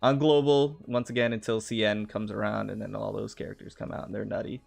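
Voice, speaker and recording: A man's voice: fairly low pitch, level tone, a little fast, vocal fry, faint music behind. A man on a gaming livestream, talking emphatically and laughing easily. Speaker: streamer guest. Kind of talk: casual gaming livestream chat.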